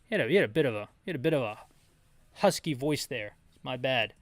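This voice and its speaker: A man's voice: mid-range voice, animated, fast talker, no room sound. A man giving casual, rambling gameplay commentary with sarcastic, nitpicking asides. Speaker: video game playthrough host and narrator.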